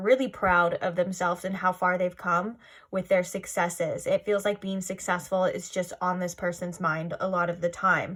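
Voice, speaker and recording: Over a very clean recording with a silent background, a woman speaks at medium pitch, somewhat breathy. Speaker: tarot reader. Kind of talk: tarot reading monologue. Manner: fast; casual, filler-heavy.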